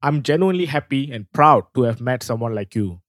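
A man hosting a podcast, reading a scripted outro in an earnest, steady way. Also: mid-range voice, a little fast, dry recording, studio quality. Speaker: podcast host.

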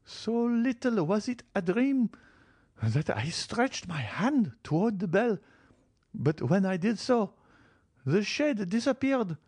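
Guy reading as a bossy old marchioness, way up high, feverish and insistent, dry close sound. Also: big pitch swings, slow, a little mellow, husky, no room sound, exaggerated voice. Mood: imperious, feverish. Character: frail, imperious old marchioness, obsessed with death. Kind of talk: audiobook character reading.

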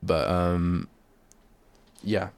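A man's voice: deep voice, very slow, gravelly, clear, resonant tone. A male radio host with a stuffy head cold, chatting in a rambling, self-deprecating way at a studio microphone. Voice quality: bunged-up, nasal. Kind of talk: casual solo radio chat.

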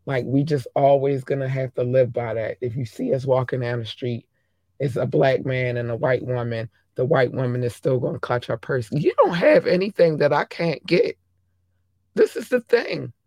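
A hoarse man from the United States talks straight into his desk mic in a gravelly, fry-laden voice. His delivery is emphatic and loose, with repeated words and swearing, and he punches up the volume on his main points. The sound is close and dry. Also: mid-range voice, darkish tone, dry recording. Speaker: vlogger commenting on a news clip. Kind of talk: casual talk-to-camera commentary. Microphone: own mic at his desk.

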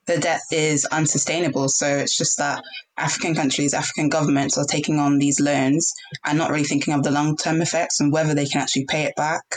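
Brief: young woman, flat even tone, chatty panel talk. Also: low-pitched, poor audio. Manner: conversational, uses like and you know.

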